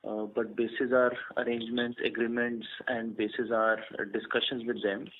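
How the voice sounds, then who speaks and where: A man, a company executive, giving halting, cautious answers on an earnings call. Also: mid-range voice, level tone. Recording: narrow phone-line sound.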